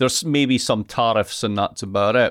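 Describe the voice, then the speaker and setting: Scottish-accented man at a moderate pace on a very clean recording with a silent background. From Scotland, Dundee. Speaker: podcast host, political economist. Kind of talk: interview.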